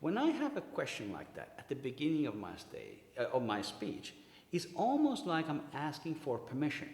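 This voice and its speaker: With a Swedish accent, a man speaks with big swings in loudness, and audible room echo surrounds his voice. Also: moderate pace. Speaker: comedian and public speaking coach. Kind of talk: workshop tutorial. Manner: casual, with fillers and restarts.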